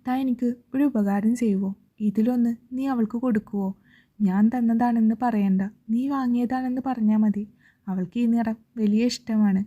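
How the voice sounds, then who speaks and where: A woman voicing a grieving young man who pleads gently, in a slow choked manner, on a dull lo-fi recording. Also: fairly high pitch, fairly even intonation, lightly acted. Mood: hurt.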